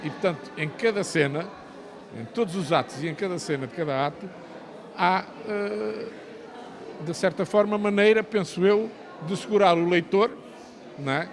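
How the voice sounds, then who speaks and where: An older man with a European Portuguese accent, an author talking in an interview with many hesitations and restarts. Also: high-pitched. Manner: halting, many fillers and restarts. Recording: outdoor crowd chatter behind.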